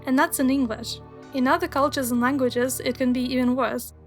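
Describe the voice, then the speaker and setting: High-voiced young woman narrating a video essay. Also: fairly even intonation, normal speed, faint music behind. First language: Russian. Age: young adult. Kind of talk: scripted voice-over narration.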